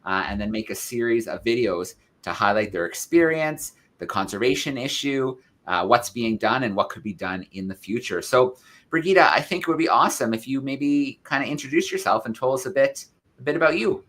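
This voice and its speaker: Bright-voiced male host. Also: medium pitch, animated, a little fast. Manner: upbeat, friendly introductions. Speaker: host of live classroom events. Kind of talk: live video call interview.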